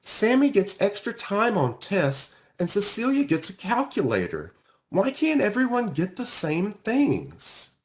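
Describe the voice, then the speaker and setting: Man voicing an earnest, animated little schoolgirl. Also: high-pitched, measured pace, voice pushed up, heavily acted. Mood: upset. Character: earnest young schoolgirl, sensitive and curious.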